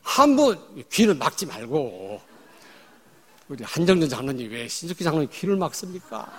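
A male pastor preaching a sermon, emphatic, jumping from loud outbursts to quiet asides. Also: medium pitch, lively intonation, moderate pace, in a large hall, slight background noise. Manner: acts out angry confrontations in quoted speech. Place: church.

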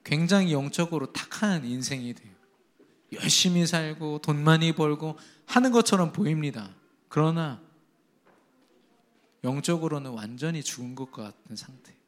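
A man preaching a sermon, emphatic, rising to strong exhortations and dropping low again, with quoted dialogue in his stories. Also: moderate pace. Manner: tells a family anecdote with quoted dialogue.

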